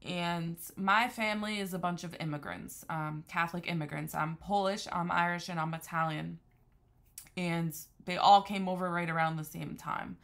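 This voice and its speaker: A woman's voice: lowish voice, fairly even intonation, moderate pace, gravelly. A woman from the New Haven, Connecticut area giving an unscripted religious monologue as a Christian commentator, earnest and discursive, often restarting her sentences. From New Haven, Connecticut area, USA.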